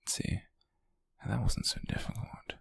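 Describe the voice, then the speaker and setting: A man's voice: a bit bright, dry recording, natural voice. Man acting a whispering, possessive young British yandere. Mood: patient coaxing. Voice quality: breathy, husky whisper. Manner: halting, deliberate, coaxing. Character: possessive, wealthy young yandere man, softly menacing and patient. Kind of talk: whispered ASMR roleplay.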